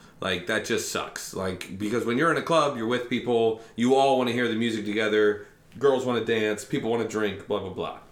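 A man with a plain, everyday voice, medium pitch and fairly even intonation, at a fairly quick pace with hardly any pauses. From Ohio, US Midwest. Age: 30s. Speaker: rapper. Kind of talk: casual chat. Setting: studio.

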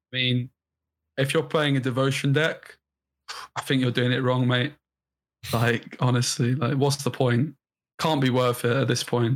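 Monotone, flat delivery with an English accent, long and frequent pauses, very even loudness, and a very clean recording over a silent background. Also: man. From England. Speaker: esports caster. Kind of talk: casual chat.

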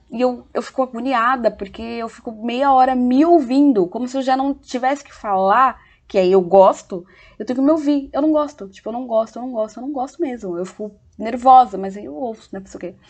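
Her high voice moves at a fairly quick pace with ordinary pitch variation and big swings in loudness. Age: 20s. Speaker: podcast host. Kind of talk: casual solo monologue. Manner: animated.

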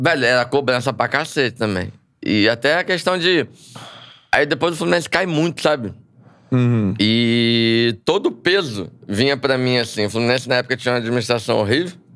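An unremarkable speaking voice from a man, at a moderate pace with lively intonation. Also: medium pitch for a man. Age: 30s. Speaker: retired footballer. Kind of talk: casual chat.

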